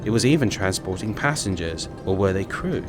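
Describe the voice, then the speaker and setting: Low-pitched man narrating over music. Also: lively intonation, a little fast. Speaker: audiobook narrator. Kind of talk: dramatic scripted narration.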